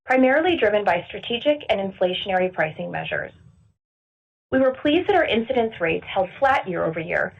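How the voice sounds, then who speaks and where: A woman's voice: medium pitch, vocal fry, slightly rough. A woman reading a scripted earnings report as a finance executive, formal and businesslike, in distant, slightly dull conference-call audio.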